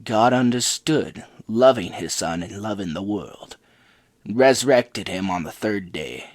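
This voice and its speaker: A man voicing the Archangel Michael as a solemn, grave angel narrating the history of creation in a measured, scripted dramatic style. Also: medium pitch, dry recording, studio quality.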